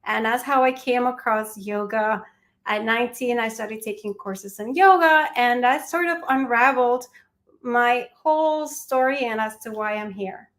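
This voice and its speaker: A woman's voice: a little high, a little slow, fairly bright tone. A young adult woman from Peru, a mindfulness teacher answering interview questions in an earnest, reflective way. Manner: earnest, reflective, with restarts and small laughs.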